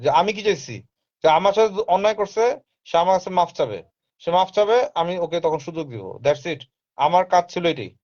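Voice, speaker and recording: A man talks at length in a firm, insistent way, repeating himself and slipping English phrases into his speech. His voice sits slightly high for a man. The recording is dull and lo-fi. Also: lively intonation, fairly quick, a little mellow. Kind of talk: casual live talk. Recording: dull lo-fi sound.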